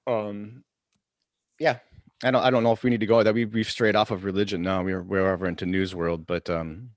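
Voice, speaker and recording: A man co-hosting a podcast, chatting casually and telling stories in an animated way with many restarts. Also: on the low side, a little fast, dry recording, clean studio sound. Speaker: podcast co-host. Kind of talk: casual chat, storytelling.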